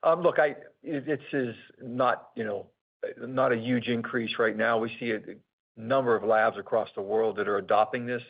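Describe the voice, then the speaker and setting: A man's voice: medium pitch, steady tone, moderate pace, creaky. A man speaking as a company executive, answering an analyst's question off the cuff. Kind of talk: unscripted earnings call answers. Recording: tinny narrow phone-line sound.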